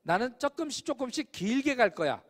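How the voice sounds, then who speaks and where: A man's voice: extremely high pitch, very animated, a little fast, full character voice. A man acting out an easygoing, peace-loving male classmate who avoids fuss, recorded with a long hall reverb. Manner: laid-back, timid.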